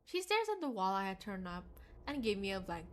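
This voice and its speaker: A woman game streamer reading visual novel narration aloud in an expressive storytelling manner. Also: medium pitch, a little fast, a little hiss or hum. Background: game music.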